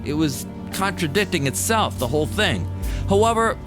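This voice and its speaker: A man narrating a scripted personal story with dramatic pauses and wry amusement, as a storyteller recalling his own past. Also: sits high, expressive. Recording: music behind the voice. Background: music bed.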